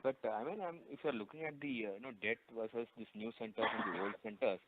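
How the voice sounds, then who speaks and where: A man's voice: mid-range voice, expressive, fast talker, a little hiss or hum. Indian male analyst on a tinny phone. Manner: hedging, roundabout, polite. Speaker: financial analyst asking questions. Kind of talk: investor call questioning. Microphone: telephone. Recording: narrowband tinny phone line.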